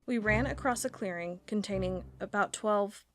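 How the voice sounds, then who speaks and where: Woman narrating over background music. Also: medium pitch. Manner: measured, deliberate report-like telling. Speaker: narrator playing a field agent. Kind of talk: scripted first-person audio-drama narration.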